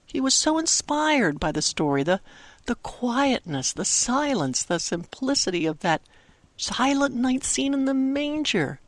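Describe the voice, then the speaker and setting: A woman telling a dramatic Christmas story for children, with simple, expressive phrasing and emphatic pauses. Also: high-pitched, no room sound. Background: music under the narration.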